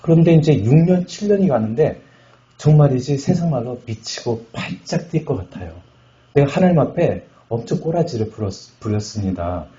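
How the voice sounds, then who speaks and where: A middle-aged man from Chungcheong Province, a pastor giving a testimony sermon at a revival meeting, telling his story with jokes and loud bursts. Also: mid-range voice, lively intonation, moderate pace. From Chungcheong Province, Korea. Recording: echoey hall, slightly muffled sound.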